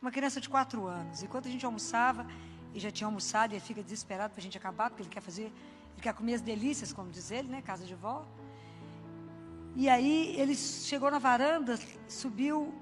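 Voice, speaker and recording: A woman's voice: fairly high pitch, quick pace. Older woman giving a devotional talk. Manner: conversational storytelling, acting out quoted voices. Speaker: Christian inspirational speaker. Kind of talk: spoken devotional message. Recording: long hall reverb with soft background music.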